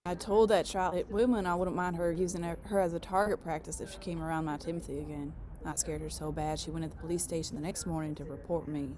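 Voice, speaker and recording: A woman's voice: sits low, fairly even intonation, fast, few pauses, dark tone, slight background noise, lightly acted. A woman playing a blunt, protective small-town mother with a fierce streak in a script table read. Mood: proud, menacing.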